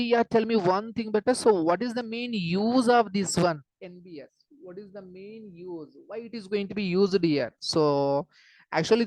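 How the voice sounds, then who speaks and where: A woman's voice: lowish voice, a little mellow, dry recording, poor audio. A woman with a South Asian accent teaching informally as a chemistry teacher, explaining step by step, repeating phrases and checking understanding with short questions.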